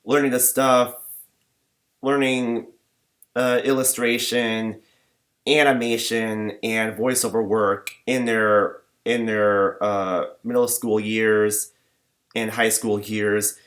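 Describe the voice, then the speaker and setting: A young man rambling in a personal vlog, talking in a flat monotone with many fillers and false starts. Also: lowish voice, slow pace. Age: young adult. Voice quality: limited, flat range. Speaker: vlogger.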